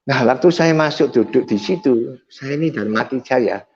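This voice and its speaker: Mellow-voiced man telling a vivid testimony. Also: mid-range voice, moderate pace, slight background noise. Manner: vivid storyteller who acts out dialogue, intense at dramatic moments. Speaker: testimony speaker. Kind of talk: personal faith testimony storytelling. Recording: dull lo-fi recording.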